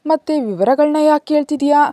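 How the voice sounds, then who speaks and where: A woman's voice: medium pitch, normal speed, dark tone, no echo, studio quality, lightly acted. A woman voicing a stern, wealthy young father who is guarded and commanding, speaking in curt orders. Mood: angry.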